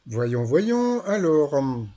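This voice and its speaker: Marseille accent guy rambling thru a game show recap, warm low-key voice, lots of euh and little digs. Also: sing-song, drawn-out words. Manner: rambling, hesitant, many fillers, mocking asides. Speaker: YouTube channel host.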